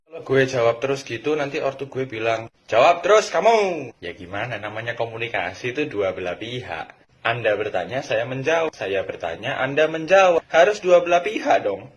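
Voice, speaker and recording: A man's voice: medium pitch, dull audio. A man giving casual, direct advice and lecturing parents in a monologue. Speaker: video creator.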